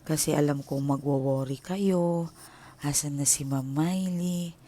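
A woman with a low voice talks straight to her viewers as their host. She tells a personal story in a casual, emotional way, dropping to a hush and then rising again with feeling. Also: measured pace. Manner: emotional, swinging between hushed and animated; addresses viewers fondly as loved ones. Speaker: tarot channel host.

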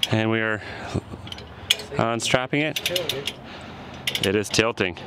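At an outdoor junkyard, a shop mechanic host in his thirties narrates a repair job casually, thinking aloud in an easygoing way as he works. He talks slowly in a fairly low voice, and outdoor noise can be heard behind him.

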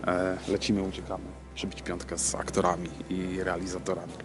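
A man with a very low voice talks casually into a camera held at arm's length. He searches for words and halts often, with music behind him. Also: monotone. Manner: hesitant, halting, searching for words. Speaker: video host. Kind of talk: casual vlog talk to camera. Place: large empty cinema auditorium, indoors.

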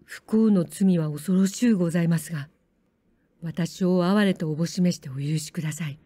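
Storybook samurai boy, earnest, proud, low and restrained delivery, as a woman reader plays him. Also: normal speed, mellow, no echo, natural voice. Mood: tearful.

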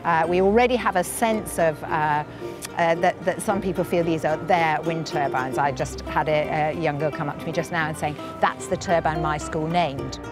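A woman's voice: low-pitched, fairly even intonation, moderate pace. A woman in her fifties, interviewed outdoors at a wind farm, speaking earnestly about a local charity. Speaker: charity organiser. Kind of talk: documentary interview. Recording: music bed underneath.

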